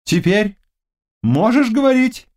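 Impassioned royal figure, high and declaiming, read by a male narrator. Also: big pitch swings, slow, a little mellow, full character voice. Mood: anxious. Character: old king, commanding, fiery and emotional.

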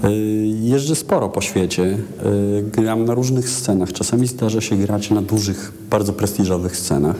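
A man's voice: on the low side, mellow, slight background noise. A man from Poland, a musician giving a reflective interview in a hesitant, thoughtful way, often restarting his words. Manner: hesitant, halting, thoughtful delivery with repeated word starts. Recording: long reverb, clear music behind.

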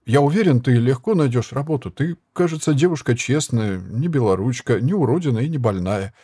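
Man as a weary herbalist, firm, sceptical, mellow voice, dry close sound. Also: medium pitch, animated, brisk, slightly rough, dry recording, pitched above the performer's own voice. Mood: stern. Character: weary wandering male herbalist, gruff.

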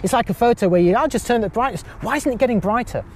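Man, high tenor voice, chatty podcast guest, self-mocking, light street noise behind. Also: fast. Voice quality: high-pitched voice. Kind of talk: casual chat.

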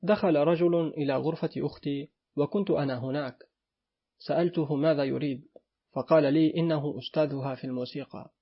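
A man voicing a sly little girl who begs her father for forgiveness, in a husky voice. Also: a little high, fairly even intonation, brisk. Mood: telling. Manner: pleading, childlike. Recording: dull lo-fi recording.

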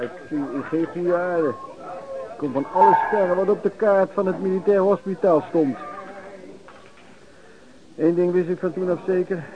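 An actor playing a wary, self-reliant travelling peddler in a radio play, with a Netherlands Dutch accent. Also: male voice, fairly high pitch, lightly acted. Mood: wry, wary. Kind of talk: radio drama, first-person narration and dialogue. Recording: dull lo-fi old radio recording.

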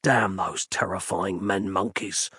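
A man voicing a gruff, bossy and sarcastic man who speaks in curt, growling lines. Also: low voice, steady tone, a little slow, sharp tone, dry recording, studio quality, pitched below the performer's own voice, full character voice.

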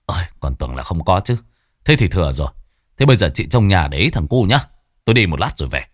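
A stern middle-aged village exorcist, as a male narrator puts him on. His voice sits very low with wide swings in pitch, close and dry, grave and commanding. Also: very animated, fast, no echo. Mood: relieved.

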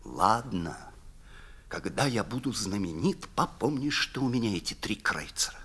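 An actor playing a poor, proud young violinist who cries out in wild despair. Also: male voice, fairly low pitch, big pitch swings, normal speed, a bit bright, slightly rough, exaggerated voice. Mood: bitter muttering. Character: desperate young male street violinist, proud and furious.

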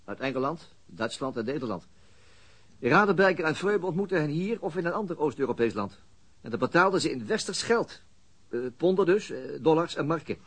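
A man's voice: a little high, big pitch swings, brisk, fairly bright tone, breathy edge, full character voice. A man acting a weary, middle-aged police detective in a radio drama, explaining things methodically with small hesitations. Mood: matter-of-fact.

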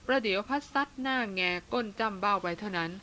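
A woman voicing a gruff, bossy old male village hunter who shouts coarse scolding in a story reading. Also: medium pitch, fast talker, slight background noise, lightly acted, low-quality recording.

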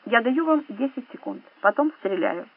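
A composed, cold-blooded secret agent, played by a woman reader, speaks quietly, in measured and mocking words. The voice sounds husky and breathy. The audio is narrow and phone-like, and it plays as an audiobook. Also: very high voice, sing-song, voice pushed up, exaggerated voice. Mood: cool.

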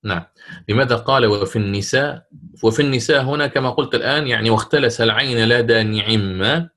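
Man teaching recitation, slow and methodical. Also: mid-range voice, a bit bright. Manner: explanatory, checks understanding with questions; recites verses slowly and drawn out. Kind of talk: online lesson explanation.

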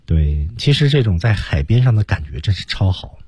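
A man's voice: low voice, big pitch swings, moderate pace, a little mellow, breathy edge, dry recording. A man teaching English pronunciation on a radio lesson, modelling phrases and chatting with his co-host.

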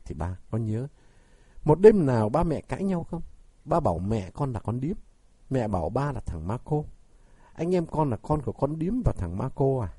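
A man's voice: mid-range voice, big pitch swings, normal speed, warm tone, slightly rough, no echo. A man voicing a bitter, mocking young son. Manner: sarcastic, needling questions. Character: bitter young man, mocking and defiant toward his father.

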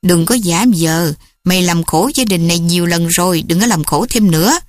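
A woman's voice: on the low side, moderate pace, natural voice. A woman voicing a stern, domineering old father who scolds sharply. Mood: harsh.

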